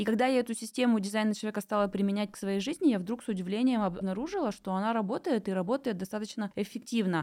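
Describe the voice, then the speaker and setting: A woman with an unremarkable speaking voice talks fairly quickly at a medium pitch, with ordinary pitch variation. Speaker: human design consultant. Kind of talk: interview.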